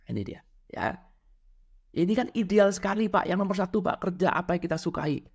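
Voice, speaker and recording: A man gives a motivational coaching talk, his voice sitting a bit higher than most men's. He keeps asking his listeners questions, acts out small everyday scenes and drops English words into his talk. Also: vocal fry. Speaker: financial and spiritual coach.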